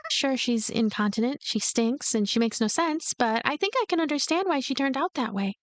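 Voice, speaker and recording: A woman voicing a gentle, giggly, self-effacing ghost girl in a visual novel, soft-hearted and meekly accepting. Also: high voice, lively intonation, moderate pace, no room sound. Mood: gentle, earnest.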